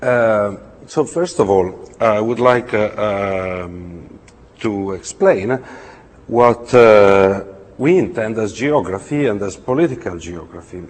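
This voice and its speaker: A man speaks slowly, very slowly, at a fairly low pitch with an Italian accent. His intonation is lively, and there is audible room echo. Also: big swings in loudness. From Italy. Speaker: geography researcher. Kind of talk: lecture. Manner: halting, many fillers.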